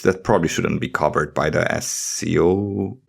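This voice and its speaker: Male podcast co-host, low-pitched, creaky delivery. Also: fairly even intonation, normal speed. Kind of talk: casual panel chat with some mock-dramatic reading.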